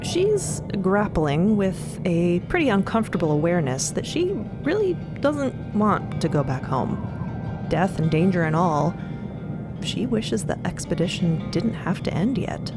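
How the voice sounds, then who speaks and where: Low-voiced woman narrating a story. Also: sing-song, unhurried. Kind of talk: present-tense story narration. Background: music.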